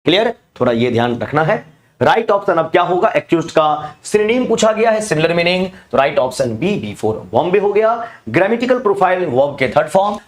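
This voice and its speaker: Male tutor, animated and fairly high voice, reads words slowly and spells them out. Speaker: English teacher. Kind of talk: exam-prep lesson.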